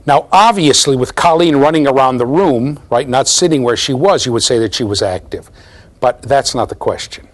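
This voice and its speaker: A man in his fifties lectures to a room of students, his voice sitting in an ordinary middle range. He explains with animated energy and keeps asking "okay?" and "right?" to check that the class is following. The sound is picked up from a camera in a bookshelf-lined classroom. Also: medium pitch, moderate pace. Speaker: university lecturer.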